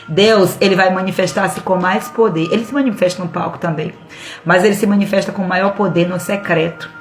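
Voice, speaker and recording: A middle-aged woman pastor with a Brazilian Portuguese accent preaching an expressive livestream sermon, acting out the voices she quotes. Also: lowish voice, brisk. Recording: roomy sound with faint music.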